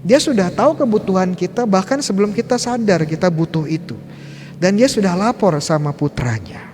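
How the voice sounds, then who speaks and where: A man's voice: sits high, animated, a little fast, a little mellow. A Catholic priest giving a Sunday homily in a church, putting questions to the congregation and tagging his phrases with a conversational "ya". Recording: long church reverb, faint background noise.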